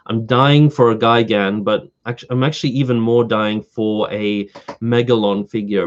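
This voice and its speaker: A man hosting a casual live stream, slightly hoarse from talking all day, rambling eagerly as he answers viewers. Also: on the low side, muffled recording. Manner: rambling, eager collector fan.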